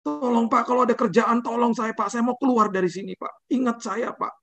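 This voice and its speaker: Guy doing a desperate teary driver begging for a job, squeaky high voice. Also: fairly even intonation, a little fast, a bit bright, exaggerated voice. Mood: pleading. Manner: pleading, addresses the listener as "Pak" again and again. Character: desperate male chauffeur, pleading and tearful.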